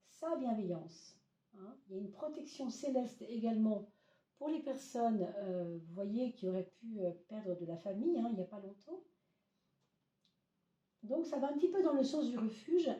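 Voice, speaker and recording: Hoarse woman reading tarot, echoey room. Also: a little high, distant mic, dull audio. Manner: hesitant, many fillers, gentle reassuring address. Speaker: tarot reader. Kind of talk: casual tarot reading to camera. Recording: roomy echo, voice off-mic.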